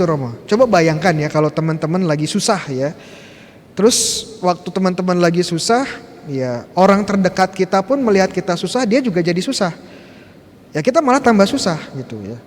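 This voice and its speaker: A Catholic priest giving a Sunday homily in a church, putting questions to the congregation and tagging his phrases with a conversational "ya". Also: a little high. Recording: long church reverb, faint background noise.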